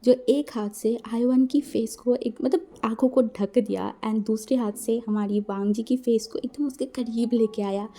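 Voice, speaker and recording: A woman's voice: fairly high pitch, steady tone, normal speed, few pauses, warm tone. A woman casually retelling a fan-fiction story as a channel host, chatty and full of filler phrases.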